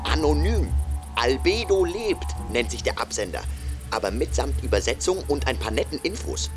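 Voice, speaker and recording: A man's voice: mid-range voice, sing-song, normal speed, music in the background, lightly acted. A man in a radio drama, reporting facts in a dry, matter-of-fact way to a colleague. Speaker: colleague on the phone.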